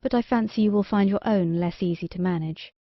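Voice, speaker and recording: A woman voicing a kindly, sensible fairy-tale king and fond father in a measured, gently authoritative way. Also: mid-range voice, creaky, no room sound, lo-fi sound, close to an everyday voice. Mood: calm, resigned. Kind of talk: storybook character dialogue.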